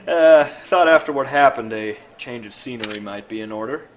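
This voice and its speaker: A man's voice: medium pitch, moderate pace, slight background noise, natural voice, low-quality recording. An actor playing a nervous male hospital official, hesitant and placating. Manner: hesitant, full of uhs. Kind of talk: video game cutscene acting.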